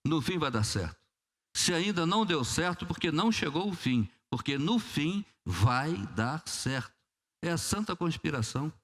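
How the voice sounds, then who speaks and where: A man's voice: a little high, big pitch swings, moderate pace, fairly bright tone. A man with a Brazilian Portuguese accent, a pastor preaching a sermon in church, telling a story and acting out prayers with humor. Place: church sanctuary.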